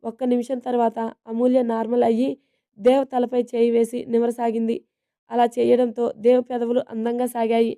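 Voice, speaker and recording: Mellow, even-toned woman storyteller. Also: fairly high pitch, a little fast. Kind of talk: storybook narration.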